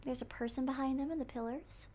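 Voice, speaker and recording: A woman livestreaming a horror game talks fast in a high-pitched, warm voice that's cute and girlish, like an anime character. She playfully comments to her chat and now and then murmurs under her breath.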